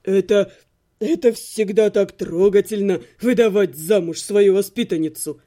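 A woman's voice: mid-range voice, measured pace, warm tone, pitched below the performer's own voice, natural voice. A woman voicing an old male half-gnome chaperone who speaks with drawling, mock-tearful sarcasm.

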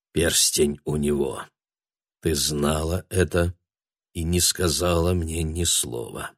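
A man voicing a young man in cold fury who speaks quietly with icy menace, reading an audiobook. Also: deep voice, no room sound, clean studio sound, lightly acted.

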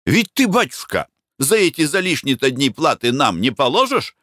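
A man reading aloud, voicing a good-natured male peasant barge worker who pleads deferentially and gently for his pay. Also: medium pitch, very animated, moderate pace, no echo, studio quality, voice pushed up. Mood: pleading.

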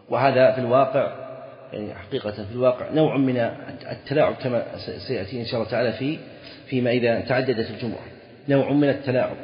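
Arabic scholar teaching in an echoey hall. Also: male voice, medium pitch. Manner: reads a line of the text, then explains and repeats key phrases; asks the students questions and answers them himself. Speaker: Islamic scholar teaching a fiqh text. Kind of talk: classroom lesson explaining a legal text. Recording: echoey hall recording, dull lo-fi sound.

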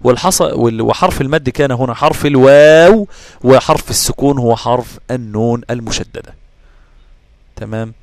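A man with an Egyptian Arabic accent teaching Quran recitation rules, checking whether listeners follow with quick questions and answering his own questions. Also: mid-range voice, a little hiss or hum. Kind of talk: explaining tajweed rules to students.

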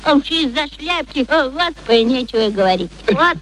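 A woman's voice: high voice, lively intonation, a little fast, a bit bright, low-quality recording. A woman in a radio play acting a young flower girl who carefully and indignantly poses as a refined lady. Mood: earnest, self-satisfied. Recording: faint noise, archive radio drama.

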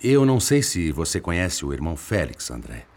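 Um ator interpretando um espírito mais velho, experiente e cordial, com fala ponderada de radionovela. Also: male voice, deep voice, sing-song, brisk, a little mellow. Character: friendly older male spirit, experienced helper. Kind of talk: radio drama acting.

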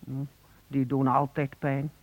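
A woman's voice: a bass voice, little pitch movement, darkish tone, no echo, exaggerated voice. An actress playing a poor, grateful old woman chatting hesitantly in a radio play. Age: older. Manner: hesitant, halting, chuckling. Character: poor, grateful, chatty old mother-in-law at a phone booth. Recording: narrow telephone-like old radio recording.

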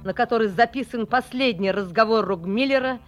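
A woman's voice: fairly high pitch, brisk, lightly acted. An actress playing a resolute woman correspondent making a declarative, accusatory radio bulletin in an audio drama. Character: resolute female newspaper correspondent exposing a killer.

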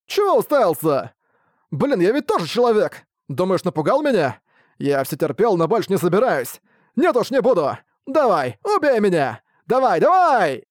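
A man voicing a drunk, whiny male pig merchant who squeals his complaints in shrill outbursts. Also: wildly swooping pitch, moderate pace, no echo, clean studio sound. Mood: defiant.

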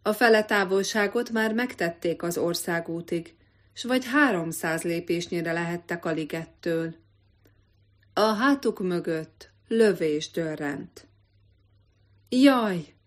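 Woman narrator, audiobook, expressive literary reading, lower pitch, measured. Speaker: audiobook reader.

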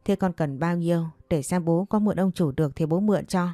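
A woman voicing a gentle, caring middle-aged father who speaks calmly. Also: mid-range voice, a little fast, no room sound, studio quality, close to an everyday voice.

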